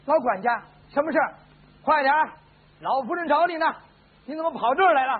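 A male storyteller voicing a quick, chirpy young maid in a high, brisk voice, on a lo-fi recording. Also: lively intonation. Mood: urgent. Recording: lo-fi phone-like band with faint hiss.

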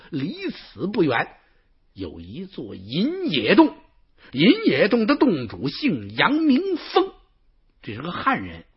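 A man's voice: a little high, husky, exaggerated voice. A man voicing an earnest allied chieftain who pleads and explains his plan. Dull lo-fi recording.

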